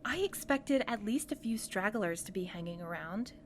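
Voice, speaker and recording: A woman acting in an audio drama podcast as a playful, curious but cautious companion, lightly teasing and expressive. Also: medium pitch, normal speed, close to an everyday voice. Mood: uneasy, curious. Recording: clear background noise, ambient sound bed.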